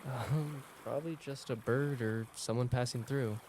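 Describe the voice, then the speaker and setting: A man's voice: mid-range voice, fairly even intonation, unhurried, darkish tone, close to an everyday voice. Guy playing a husband in a live student radio drama, keeps brushing off worries, bit of noise and sound effects behind him. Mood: evasive, casual. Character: dismissive husband on an anniversary getaway, placating his wife.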